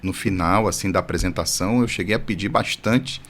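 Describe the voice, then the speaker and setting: A lower-voiced man, a priest speaking as a podcast guest, tells his story earnestly and with a little humor. He talks into a studio mic, and a faint noise sits behind him. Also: fairly quick, a bit bright. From Brazil, born in Salvador. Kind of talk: testimony in casual conversation.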